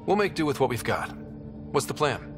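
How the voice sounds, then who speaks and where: An actor playing a level-headed expedition leader in a video game, direct and questioning with a wry edge. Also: male voice, medium pitch, sing-song, normal speed, music in the background, close to an everyday voice. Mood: wry, resolved. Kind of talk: video game cutscene dialogue.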